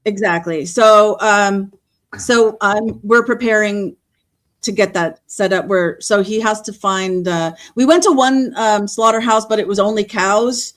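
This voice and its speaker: A woman's voice: medium pitch, steady tone, unhurried, a bit bright. A middle-aged woman from California, a guest on a livestream, chatting casually with lots of fillers and frequent laughs. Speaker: guest panelist.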